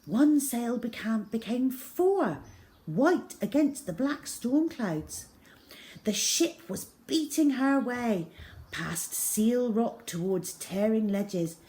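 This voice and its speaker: Woman reading a kids novel out loud, measured and dramatic, really acting out the feeling. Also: on the high side. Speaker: storyteller reading a children's novel aloud. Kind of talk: expressive first-person audiobook-style story reading.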